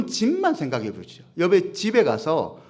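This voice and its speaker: A man with a Gyeongsang accent talks at a fairly slow pace. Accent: Gyeongsang regional Korean. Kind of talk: sermon-style public speaking. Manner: lively, humorous address to an audience.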